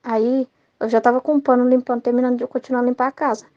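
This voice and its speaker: A middle-aged woman with a Brazilian Portuguese accent, a Catholic lay study leader, shares an earnest, rambling devotional reflection, often tagging questions onto her sentences. Her slightly high voice is flat and racing, and the audio is dull.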